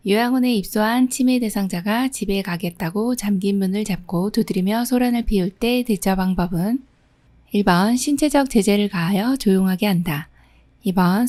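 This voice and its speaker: A woman's voice: mid-range voice, normal speed, warm tone, dry recording. A middle-aged woman instructor reads out exam questions and patiently explains each answer. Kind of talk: exam question walkthrough lesson.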